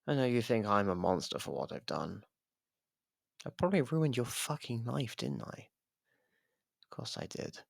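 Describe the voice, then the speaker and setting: A low, heavily creaky voice, acted by a man, for a sardonic murderer behind bars in an ASMR roleplay. He taunts with theatrical pauses and a swooping, husky delivery, right up close on the microphone. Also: dry recording, exaggerated voice. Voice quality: gravelly, husky. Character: taunting, sardonic imprisoned murderer baiting a detective. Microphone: close microphone, dry.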